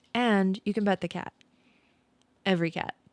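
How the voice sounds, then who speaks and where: A soft-spoken woman talks at a medium pitch in a calm, gentle tone. The sound is dry and close, with no echo. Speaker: content creator / game reviewer. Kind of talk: casual talk to camera, game review. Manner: calm, gentle, easy listening.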